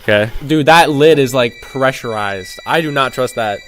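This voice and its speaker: A man's voice: medium pitch, moderate pace, faint music behind. A young man doing casual, goofy commentary, rambling and easily startled. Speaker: youtuber.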